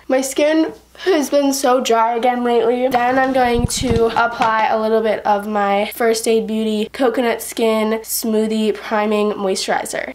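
Teen girl vlogger rambling away in her room, kinda high voice, sick with a cold. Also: darkish tone, slight background noise. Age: teenager, 14. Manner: rambling, heavy use of "like". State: sick with a cold and sore throat. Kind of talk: casual chatty vlog. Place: bedroom indoors. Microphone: camera mic close in front of speaker.

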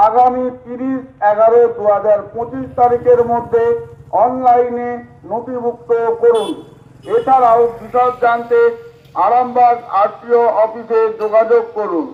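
Guy doing a formal pa system announcement, really high voice, pretty flat, echoey and a bit muffled. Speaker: municipal public announcer. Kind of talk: PA system public announcement, scripted. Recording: echoey, slightly muffled PA recording.

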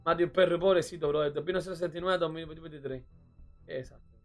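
Excitable high-voiced man reacting, music behind. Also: quick pace. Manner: excitable, repeats phrases, says "bro" often. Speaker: reaction streamer. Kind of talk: casual reaction commentary.

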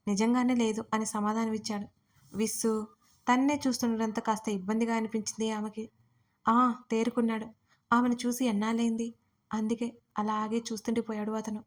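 A woman narrating a romance audio story she wrote, in steady storytelling. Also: fairly high pitch, a little fast. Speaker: narrator and writer.

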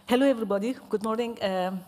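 Woman from Afghanistan, earnest, halting, many fillers, stage panel, lapel mic. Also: fairly high pitch, darkish tone. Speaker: panel speaker. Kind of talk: panel discussion. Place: large stage hall.

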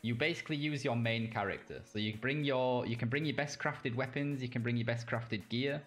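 A man's voice: mid-range voice, soft background music. British man calling a live game. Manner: quick reactive play-by-play, jokey asides. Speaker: caster. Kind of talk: live esports play-by-play commentary.

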